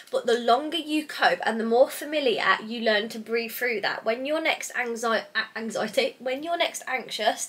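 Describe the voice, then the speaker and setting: A young woman chats casually to her viewers, her voice sitting a little high with a bright, forward edge. She rambles and sidetracks mid-thought, and sounds slightly congested from a cold. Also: slightly rough. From United Kingdom. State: congested from hay fever or a cold. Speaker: vlogger. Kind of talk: casual chat to camera.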